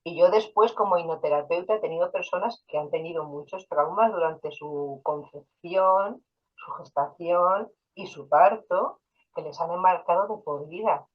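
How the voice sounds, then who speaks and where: A hypnotherapist appearing as an interview guest tells personal stories casually, quoting dialogue and using fillers. Her voice is lowish and husky, at a moderate pace, and the recording has its highs cut off.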